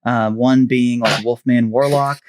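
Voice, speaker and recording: Podcast guy, mid pitch, lots of ums, kinda loses his words. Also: steady tone, unhurried, noisy background. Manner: hesitant, many fillers, loses his words. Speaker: podcast co-host. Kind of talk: casual podcast chat.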